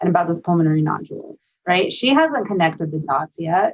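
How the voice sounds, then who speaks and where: A woman's lively intonation and somewhat breathy voice come at a fairly quick pace. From abroad, moved to US at age seven. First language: not English. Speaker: psychiatrist and addiction medicine doctor. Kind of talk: interview.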